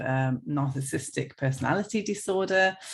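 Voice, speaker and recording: This woman has a very deep, low pitch and a British accent. Her pitch varies in an ordinary way, and her pace is moderate. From Britain. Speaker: podcast host. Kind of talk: interview.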